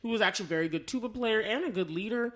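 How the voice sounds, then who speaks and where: A woman chatting casually as a podcast co-host, telling stories in an animated, exclamatory way while reviewing a film. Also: mid-range voice, very fast.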